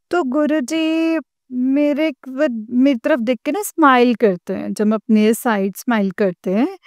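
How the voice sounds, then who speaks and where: A woman telling her dream to a spiritual congregation, mixing English words into Hindi, with slow pauses and hesitations. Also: fairly high pitch, clean tone, dry recording, studio quality. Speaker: devotee sharing a dream experience. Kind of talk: personal testimony to a spiritual congregation.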